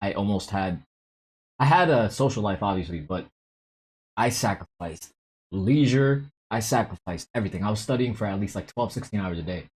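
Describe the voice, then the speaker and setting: A young man hosting a casual livestream about day trading, laid-back and quick to laugh, reading out chat messages. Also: lowish voice, expressive, breathy edge.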